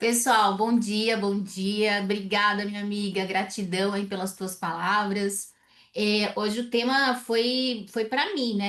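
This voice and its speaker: This woman's pitch sits fairly high. Her intonation stays fairly even. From Santa Catarina, Brazil (Blumenau). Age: 40s. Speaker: network marketing distributor. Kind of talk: personal testimony.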